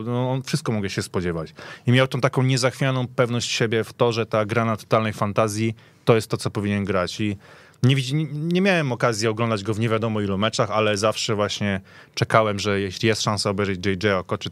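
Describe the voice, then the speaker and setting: Low-voiced man chatting about football. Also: fairly bright tone, no echo. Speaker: radio podcast guest commentator. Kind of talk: casual football discussion.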